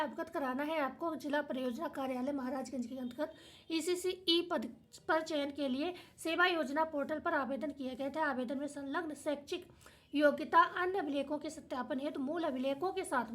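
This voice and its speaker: A young woman with a tired, hoarse voice, hosting an education channel and going through an official notice point by point in plain words. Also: high-pitched, fairly bright tone. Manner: reads notice then explains in plain words. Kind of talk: explaining official notice to viewers.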